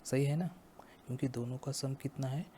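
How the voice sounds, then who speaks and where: A male teacher slowly explaining a maths lesson step by step, often stopping to ask the class if it is clear. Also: mid-range voice, steady tone, dark tone, a little hiss or hum. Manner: slow, explains step by step and checks understanding. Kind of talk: math lecture.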